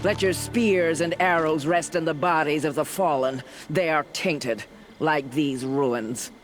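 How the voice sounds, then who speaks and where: An actor playing a solemn tribal elder who gives ritual instructions in a grave, ceremonial manner. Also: male voice, fairly high pitch, a little slow, close to an everyday voice. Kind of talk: video game cutscene acting. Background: game score music.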